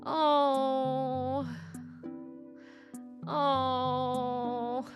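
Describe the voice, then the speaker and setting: A woman streamer chatting casually with her audience. She is excitable and swings between loud squeals and soft mumbles. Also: high voice, drawn-out words, dull audio, music in the background. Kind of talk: casual live-stream chat.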